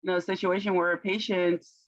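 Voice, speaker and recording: A woman who founded a company, speaking English as a second language in a conversational interview, thoughtful and often pausing to search for words. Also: lowish voice, level tone, dull audio. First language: not English.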